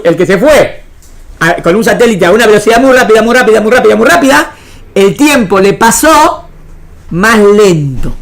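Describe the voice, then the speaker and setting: A woman with an Argentine Spanish accent teaching a small class, repeating phrases and often asking if it is understood. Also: mid-range voice. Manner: didactic, checking understanding with frequent questions. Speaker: religion teacher. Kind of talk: interactive lecture to a small class.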